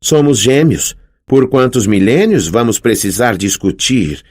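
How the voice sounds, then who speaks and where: A man's voice: medium pitch, animated, unhurried, a little mellow, slightly rough, voice pushed up. A man reading an audiobook, voicing a proud, curt young goddess of the hunt in a lifted voice. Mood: curt dry. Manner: curt, exasperated. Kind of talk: audiobook character voice.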